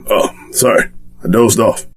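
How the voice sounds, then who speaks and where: A man playing a brash, loyal tough-guy sidekick in an action video game, with slangy, streetwise, expressive delivery. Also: lowish voice, unhurried, lightly acted. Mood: bored, wry.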